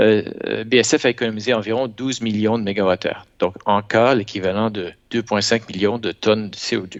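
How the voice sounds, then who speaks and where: The speaker keeps a fairly even intonation at a moderate pace. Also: man. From Quebec. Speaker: venture capital investor. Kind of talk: conference presentation. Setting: video conference. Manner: hesitant, many filler words.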